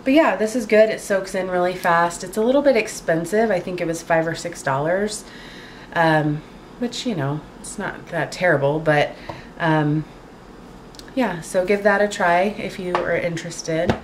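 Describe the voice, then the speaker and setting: A woman vlogging casually to camera at home, chatty and full of fillers, her voice a little raspy from a cold. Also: on the low side, moderate pace, slight background noise. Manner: chatty, lots of fillers and likes. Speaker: beauty vlogger. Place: home, indoors.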